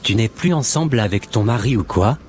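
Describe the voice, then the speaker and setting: A man's voice: on the low side, animated, a little fast, a little mellow, a little hiss or hum, natural voice. A man playing a newly converted Christian man in a cartoon, who speaks earnestly and exhorts others. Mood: exhorting.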